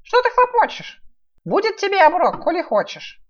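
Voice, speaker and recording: A woman's voice: very high voice, huge pitch swings, moderate pace, muffled recording, pitched above the performer's own voice, heavily acted. A woman voicing a boastful, cheeky young boy imp in a fairy-tale reading, with a thin, childlike voice. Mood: impatient.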